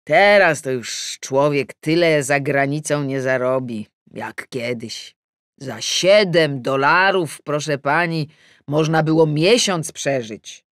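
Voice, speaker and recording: A man's voice: a little high, slow pace, fairly bright tone, clear, resonant tone, no echo, studio quality. A woman reading an audiobook, voicing a tipsy, boastful middle-aged man who rambles folksily about his past. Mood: nostalgic.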